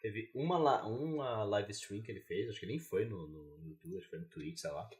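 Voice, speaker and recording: Fast-talking low-voiced Brazilian man. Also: darkish tone. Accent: Brazilian Portuguese. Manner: quick, slangy storytelling. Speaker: podcast co-host. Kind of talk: casual chat.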